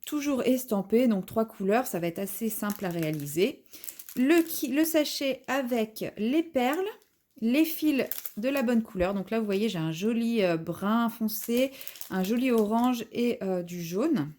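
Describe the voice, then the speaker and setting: A woman's voice: a little high, measured pace, a little mellow. A woman vlogger in a casual unboxing video, chatting as she describes each craft item while she unpacks it at home.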